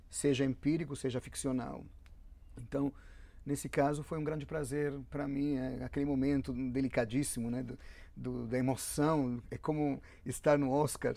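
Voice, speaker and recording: A man's voice: medium pitch, steady tone, moderate pace, gravelly, mellow, dry recording. A man in his fifties with an Italian accent, a guest author talking in a musing way and often restarting his sentences. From Italy. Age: 50s. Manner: musing, with frequent restarts and fillers. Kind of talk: reflective interview talk.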